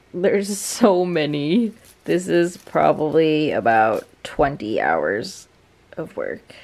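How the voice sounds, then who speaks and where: A young woman in her twenties chatting casually to camera in a small bedroom, with wry, self-mocking asides. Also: lowish voice. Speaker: lifestyle vlogger. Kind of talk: casual vlog chat to camera.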